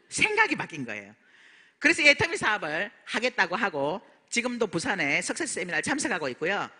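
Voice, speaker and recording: A middle-aged woman giving an animated motivational seminar talk, acting out quoted dialogue along the way. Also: medium pitch. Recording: long hall reverb.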